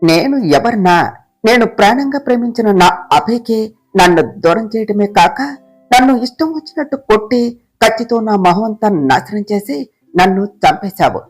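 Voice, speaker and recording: A woman voicing the vengeful ghost of a murdered young woman, speaking in a lowered, menacing, taunting voice. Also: animated, normal speed, faint music behind, close to an everyday voice.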